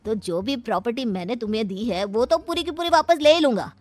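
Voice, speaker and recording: A woman's voice: fairly high pitch, expressive, brisk, a little mellow, close to an everyday voice. A woman voicing a scheming older man, a bride's wealthy father, who taunts and gloats in a cartoon. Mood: gloating. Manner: smug, taunting. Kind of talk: cartoon voice acting.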